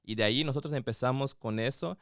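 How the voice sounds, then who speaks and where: A man's voice: mid-range voice, fast, fairly bright tone, no echo, clean studio sound. A man co-hosting a casual interview, speaking Spanish mixed with bits of English. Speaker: podcast co-host.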